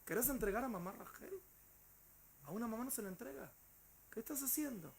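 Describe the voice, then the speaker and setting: A man acting out a grown man who weeps and shouts in anguish. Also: very high-pitched, expressive, brisk, creaky, slightly rough, pitched above the performer's own voice, heavily acted. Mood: anguished shouting. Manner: crying out, pleading.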